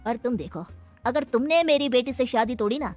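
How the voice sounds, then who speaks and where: A woman's voice: a little high, lively intonation, normal speed, darkish tone, faint music behind, natural voice. A woman voicing a smug, gloating rich father. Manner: smug, taunting. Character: scheming older man, bride's wealthy father, gloating. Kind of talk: cartoon voice acting.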